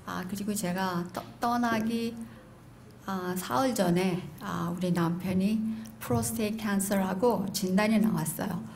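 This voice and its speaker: A middle-aged Korean woman introducing herself to a group in a hesitant, reflective way with pauses. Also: mid-range voice, steady tone, vocal fry, darkish tone. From Korean living in California, United States. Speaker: seminar participant introducing herself. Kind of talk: halting self-introduction to a group. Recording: noticeable background room noise.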